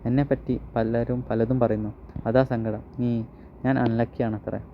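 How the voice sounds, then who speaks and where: A man's voice: mid-range voice, level tone, moderate pace, natural voice. A man reading as a gloomy black cat. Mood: self-pitying. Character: gloomy male black cat, self-pitying. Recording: slightly dull recording, faint noise.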